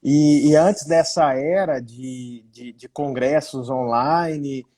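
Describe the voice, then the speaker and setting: A man from Minas Gerais speaks as a guest in a live online interview. He talks slowly and in an unhurried way, at a middle pitch. He laughs often as the chat goes on. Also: dark tone. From Minas Gerais, Brazil. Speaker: guest, judge and law professor.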